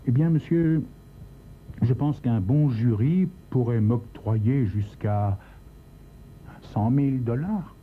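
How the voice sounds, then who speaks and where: A shabby little swindler, voiced by a man in a raised, thin voice, shifting from fake fear to quiet menace. The reading comes through a tinny, phone-like channel with a faint hiss behind it. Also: mid-range voice, slow pace, long pauses, voice pushed up, natural voice. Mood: calm, menacing. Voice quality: put-on foreign accent at first. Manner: pleading, then calm and cutting.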